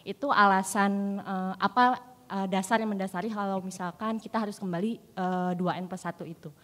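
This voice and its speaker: A woman's voice: mid-range voice, fairly even intonation, moderate pace, fairly bright tone, long reverb tail. A young woman from Indonesia, a scholarship awardee, politely asking a question with some hesitation. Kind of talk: formal question.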